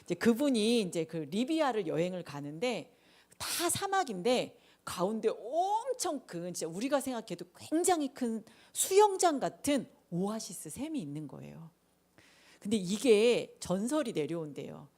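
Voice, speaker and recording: A woman's voice: medium pitch, sing-song, normal speed, mellow. A woman preaching to children in a casual storytelling way, acting out quotes and asking the kids questions. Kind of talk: sermon to children.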